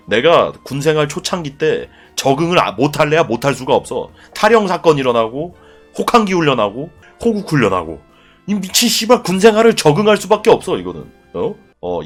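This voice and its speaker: A young man casually telling a live chat a story from his army days, profane and animated, acting out voices with loud bursts. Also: mid-range voice. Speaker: streamer telling army stories.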